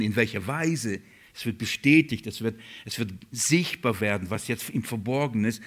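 A man preaching a sermon, stressing key words, asking rhetorical questions and dropping to quiet lines. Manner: swings from loud stress to quiet lowered lines.

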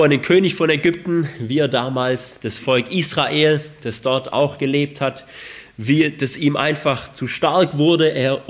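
A man with a slightly raised voice and a cold preaches a sermon. He reads scripture with rising emphasis and presses his listeners with rhetorical questions. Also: fairly high pitch. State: has a cold.

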